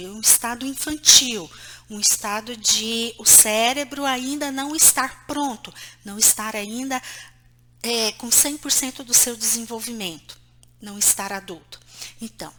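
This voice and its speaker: Woman psychologist teaching parents, high voice, talks slow n careful. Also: pushed and bright. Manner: explains slowly, pointing to places on a diagram; acts out short quoted lines between mother and child. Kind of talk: online lesson on parenting.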